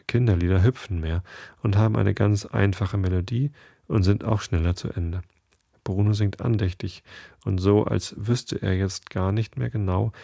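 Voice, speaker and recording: A man hosting a sleep podcast, reading a bedtime story aloud in a calm way and now and then restarting a sentence after a slip. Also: low voice, gravelly, no room sound, clean studio sound. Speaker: podcast host.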